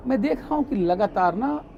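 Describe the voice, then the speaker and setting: A man's voice: high-pitched, lively intonation, moderate pace, highs cut off, a little hiss or hum. A man hosting a televised interview, asking pointed, provocative questions in a temple hall. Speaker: news channel interviewer. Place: temple hall with devotional music behind.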